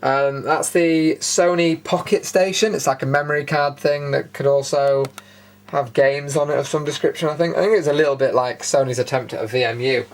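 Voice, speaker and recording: A man's voice: fairly high pitch, steady tone, normal speed. British man giving a casual tour. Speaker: host of a retro gaming show. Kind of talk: casual room tour narration.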